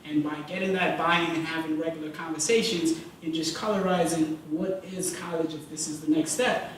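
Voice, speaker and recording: A man from Jamaica speaking on a panel, talking in an energetic, conversational way with rhetorical questions. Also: on the high side, moderate pace, slight background noise. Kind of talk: panel discussion. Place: event hall. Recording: echoey hall from far off.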